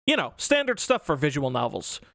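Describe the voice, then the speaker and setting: Fairly quick and gravelly, this man's somewhat high voice swoops wildly in pitch. He hosts and reviews games in a scripted comedy video, swearing casually and overemphasizing words while music plays underneath.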